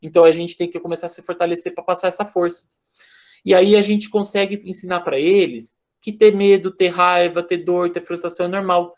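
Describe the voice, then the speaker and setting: A man's voice: high-pitched, level tone, a little fast. A man with a Brazilian accent giving an informal lecture over a video call, speaking conversationally and addressing his audience directly.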